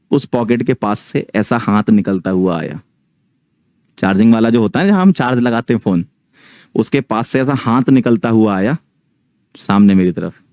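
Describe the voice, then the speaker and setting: A man's voice: on the low side, warm tone, dry recording. A man in his thirties telling a ghost story casually to a live online audience, often checking in with his listeners. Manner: chatty, keeps checking in with the listeners.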